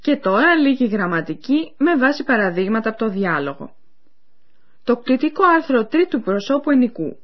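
A woman presenting a radio language course, explaining clearly and speaking to listeners in scripted educational narration. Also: fairly high pitch, big pitch swings. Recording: dull lo-fi radio recording.

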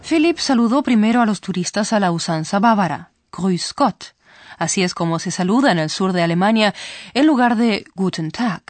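A woman hosting a scripted language lesson, explaining clearly to listeners. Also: mid-range voice, expressive, normal speed, no room sound. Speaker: host.

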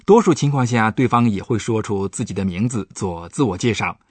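A man's voice: on the low side, animated, a little fast, husky, no echo. A man, a professor, patiently explaining German grammar points on a radio language lesson. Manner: patient, explanatory, stresses example words.

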